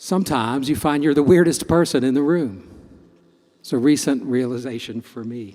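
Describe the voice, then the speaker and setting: With an American accent, a man speaks at a moderate pace and medium pitch in a dark, mellow tone, with ordinary pitch variation and big swings in loudness. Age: 60s. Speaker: host of a music and storytelling show. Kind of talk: show hosting monologue.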